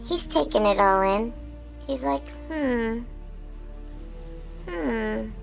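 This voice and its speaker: Woman doing a bubbly little baby alien guy recapping an episode, kinda high voice, faint music behind. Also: extremely slow, gravelly, exaggerated voice, rough recording. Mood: excited recap. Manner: giggly, bubbly, squeals with excitement. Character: excitable childlike male Baby Yoda creature. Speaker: recap host.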